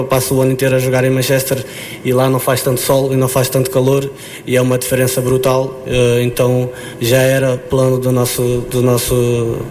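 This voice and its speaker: A man's voice: medium pitch, a little mellow, a little hiss or hum. A young man, a footballer, answering press conference questions hesitantly with many fillers and restarts.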